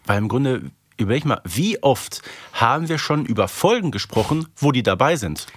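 A man hosts a podcast with a cheerful, welcoming manner. His pitch swings a lot as he talks, and the sound is dry and close. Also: normal speed, slightly rough, dry recording. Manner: cheerful, lively, agreeable. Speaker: podcast host. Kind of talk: casual chat.

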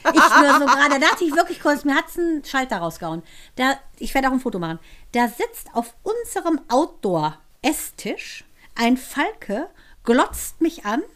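A woman's voice: sits high, moderate pace. A middle-aged woman co-hosting a podcast, telling anecdotes in casual chat and laughing as she talks. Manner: lively storyteller, laughs while talking. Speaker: podcast co-host.

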